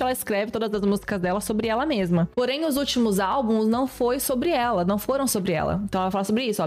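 A woman, an English teacher who explains step by step in a casual lesson and reads English words out slowly and carefully. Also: mid-range voice. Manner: explains step by step, often asks "né?".

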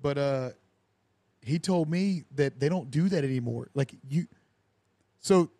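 A young man hosting a podcast tells a story during casual chat, speaking at a measured pace in a voice on the high side, with no echo. He is an animated storyteller who performs the quoted dialogue of the characters in lively voices.

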